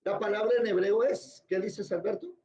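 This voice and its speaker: A man's voice: high voice, fairly even intonation, normal speed, a little mellow, echoey room. A man teaching a classroom Bible lesson. He spells out words letter by letter and quizzes his students. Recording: dull lo-fi recording.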